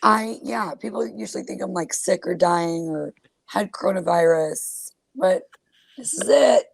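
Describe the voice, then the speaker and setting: A woman's voice: fairly low pitch, lively intonation, unhurried, vocal fry, dry recording. A woman in her forties with a super scratchy voice, chatting as a podcast guest in a self-deprecating, laughing way. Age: 40s. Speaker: guest comedian. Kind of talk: casual podcast chat.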